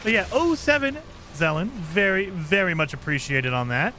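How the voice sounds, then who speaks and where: Lively bright-voiced male game streamer. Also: normal speed, slight background noise, rough recording. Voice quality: higher-pitched voice for a man. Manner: chatty, lively, self-deprecating. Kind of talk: live gameplay commentary, reading chat.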